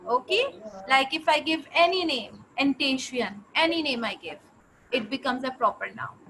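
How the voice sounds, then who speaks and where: High-pitched South Asian woman teaching, noisy recording. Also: expressive, normal speed, pushed and bright. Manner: instructive, repeats phrases and checks understanding. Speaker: English teacher. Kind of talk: interactive online grammar lesson.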